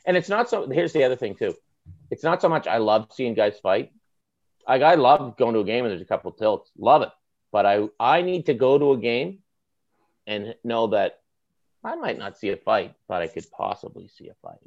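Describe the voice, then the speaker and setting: A man's voice: medium pitch, sing-song, normal speed, a little mellow, dry recording. Emphatic Maritime Canadian man, slightly dull sound. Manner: emphatic, colloquial, punchy short phrases. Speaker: author and podcast guest. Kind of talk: animated opinionated sports chat.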